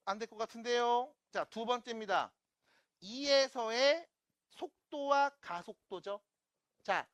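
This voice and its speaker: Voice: mid-range voice, fairly bright tone, no echo. A math lecturer teaching an online class, explaining step by step, often checking in with rhetorical questions and dropping playful asides.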